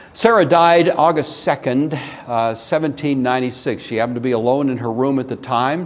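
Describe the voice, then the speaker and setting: Fairly quick speech with ordinary pitch variation, noticeable background noise and audible room echo. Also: man, medium pitch for a man. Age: 70s. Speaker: Sunday school teacher. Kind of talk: lecture. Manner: casual, with many filler words.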